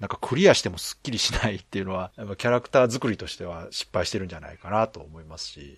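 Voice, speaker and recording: Hardly pausing at all, a man speaks at a very fast pace with big swings in loudness and ordinary pitch variation. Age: middle-aged. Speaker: podcast co-host. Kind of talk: casual chat.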